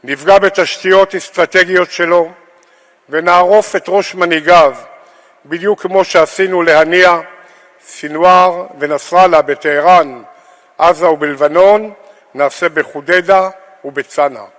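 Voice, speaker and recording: A man delivers a formal official speech at a very fast pace. His voice is high for a man. It rings with the long reverb of a hall. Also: fairly even intonation, fairly bright tone. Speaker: government official giving a speech.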